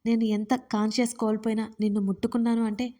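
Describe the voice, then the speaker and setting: A woman's voice: on the high side, level tone, quick pace, dark tone, natural voice. A woman voicing an irritable, hot-tempered young man in an audio story, speaking curtly and impatiently. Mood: irritated. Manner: curt, impatient, demanding.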